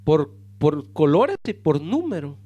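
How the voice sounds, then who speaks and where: A male pastor preaching a sermon with passion, calling the congregation brothers and swinging from loud to hushed. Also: fairly high pitch, big pitch swings, slow.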